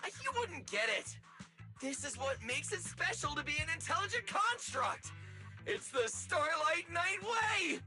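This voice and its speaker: Showy robot who idolises heroes; theatrical, shouty, high bright tone. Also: male voice, sing-song, normal speed, soft background music, exaggerated voice. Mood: boastful. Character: boastful showy male robot hero-fan. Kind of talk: video game voice acting.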